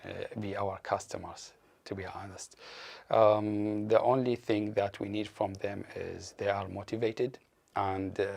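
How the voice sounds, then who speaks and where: A man whose native language is Arabic, answering interview questions in a halting way with many fillers. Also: lowish voice, creaky, darkish tone. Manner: hesitant, many fillers and restarts. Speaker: staff member at a refugee support organization.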